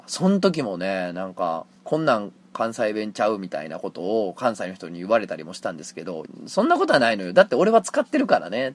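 A man with a Kansai accent talking casually on his own podcast, reading listener mail and often acting out quick exchanges. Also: on the low side. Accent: Kansai Japanese. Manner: animated, jumps into acted quotes. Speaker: podcast host. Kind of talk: casual solo talk radio.

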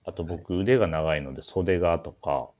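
Very low-pitched man, polite radio chat. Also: normal speed, darkish tone, lo-fi sound. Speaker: host of a menswear shop radio show. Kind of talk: casual radio-style talk introducing clothes.

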